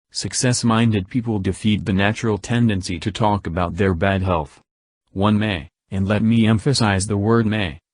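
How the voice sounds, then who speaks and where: A man with a fairly low voice reads a self-help book aloud, keeping a steady, measured pace. The sound is dry and close, with almost no room around it. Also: no room sound. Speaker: audiobook narrator.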